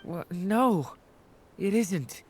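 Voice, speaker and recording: A man's voice: sits high, expressive, drawn-out words, slight background noise, full character voice. A man voicing an earnest, compassionate young adventurer in a video game, speaking with some hesitation. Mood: startled. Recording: music playing behind the voice.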